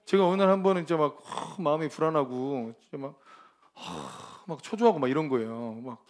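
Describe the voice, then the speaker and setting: A man preaching a lively, informal sermon at a ministry training, emphatic and colloquial, often breaking into laughter. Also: fairly high pitch, fairly quick.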